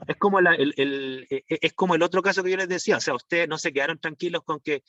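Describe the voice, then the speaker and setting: A man's voice: a little high, fast talker, sharp tone, no echo. Rambling male teacher on a dull stream. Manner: rambling, many restarts and fillers, rhetorical checks. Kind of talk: online class lecture. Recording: dull, dry lo-fi stream audio.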